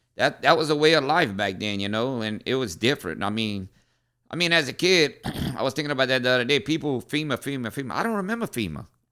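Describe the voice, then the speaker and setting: A man with a Cajun accent talks at a very fast pace in a bright, sharp, animated tone, his medium pitch carried by lively intonation on a very clean recording with a silent background. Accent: Cajun Louisiana English. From Louisiana bayou, Terrebonne Parish. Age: 60s. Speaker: political candidate. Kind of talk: casual interview chat. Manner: animated storytelling.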